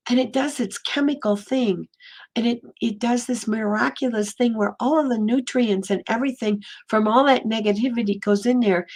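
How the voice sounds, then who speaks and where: A woman minister giving a gentle, storytelling sermon in a slightly hoarse voice, slowing and softening for emphasis. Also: fairly high pitch. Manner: gentle storytelling, slows and drops to near whisper for emphasis. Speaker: interim minister. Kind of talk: sermon talk.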